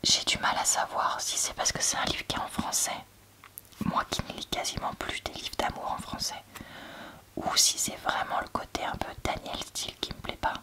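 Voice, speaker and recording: A woman speaking in a soft, breathy library whisper, chatting casually and hesitantly in an ASMR book review. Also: moderate pace. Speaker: book reviewer, host of a reading channel.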